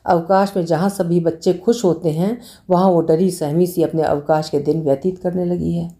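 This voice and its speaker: A woman reading a short story aloud in a measured, expressive way. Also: fairly low pitch.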